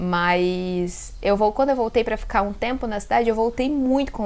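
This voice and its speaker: At a moderate pace, a woman speaks at medium pitch in a calm, relaxed tone with ordinary pitch variation. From interior of São Paulo state, Brazil (Limeira). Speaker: life coach, video creator. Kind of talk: casual vlog monologue.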